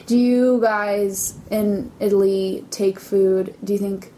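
A woman's voice: steady tone, slow, warm tone, poor audio. An American woman interviewing someone casually, with informal, loosely phrased questions. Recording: low rumbling background noise.

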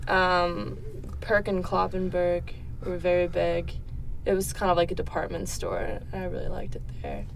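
A young adult woman giving casual answers as an interviewee in a relaxed conversational interview. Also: lowish voice, moderate pace, vocal fry, low-quality recording. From Netherlands. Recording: faint background noise.

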